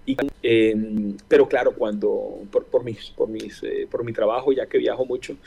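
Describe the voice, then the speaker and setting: As a casual interview guest, a forties-aged aviation engineer from Barranquilla reflects on his life in a Colombian Caribbean (costeño) accent. His mid-range voice is warm and slightly rough with vocal fry and fairly even intonation, and he answers with hesitant, stretched-out pauses.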